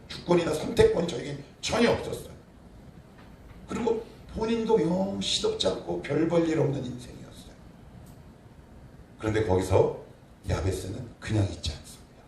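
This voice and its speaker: A middle-aged male pastor preaching a sermon, asking the congregation questions and crying out prayers. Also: fairly high pitch. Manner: animated, asks the congregation questions, shouts acted prayers. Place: church sanctuary. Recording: echoey church room, from far off, faint noise.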